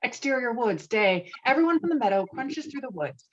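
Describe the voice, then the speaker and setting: A woman's voice: on the high side, sing-song, moderate pace. A woman reading stage directions as narrator of a screenplay table read, on slightly muffled online call audio.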